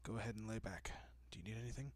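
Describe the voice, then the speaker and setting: A man playing a gentle, courteous, possessive vampire in an intimate audio roleplay, speaking softly and often dropping to a whisper with hushed reassurance. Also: lowish voice, racing, dry recording, natural voice. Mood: gentle, reassuring. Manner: hushed, reassuring, politely old-fashioned.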